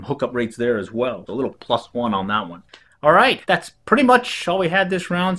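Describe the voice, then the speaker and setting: A middle-aged man with an American accent, hosting a fishing video in a casual, easygoing, conversational way from a home office. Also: medium pitch. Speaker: host of a fishing video channel. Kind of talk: casual recap of fishing tips to camera. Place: small indoor home office.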